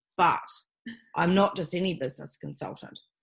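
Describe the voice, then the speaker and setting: A woman with a New Zealand accent speaks at a moderate pace, her medium pitch carried by lively intonation. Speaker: business consultant. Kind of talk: casual chat. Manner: animated.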